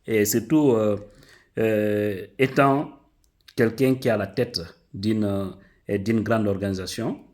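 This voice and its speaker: A man's voice: fairly low pitch, slow pace, a little mellow. A male interviewer who asks polite questions with hesitant fillers.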